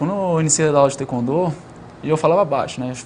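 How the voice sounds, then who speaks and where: This man talks at a very fast pace with a fairly high pitch. His intonation stays fairly even. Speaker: taekwondo athlete and instructor. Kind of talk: TV studio interview. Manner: soft-spoken.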